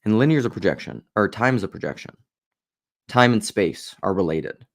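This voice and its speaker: A man's voice: on the low side, lively intonation, a little fast, vocal fry. A man giving casual video commentary and reading aloud, rambling and jumping between ideas.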